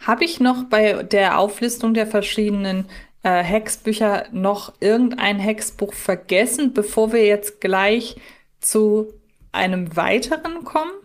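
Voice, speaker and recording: A woman with a medium-pitched voice speaks as a podcast co-host. She reasons aloud in a casual, analytical way, often turning points into questions. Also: unhurried.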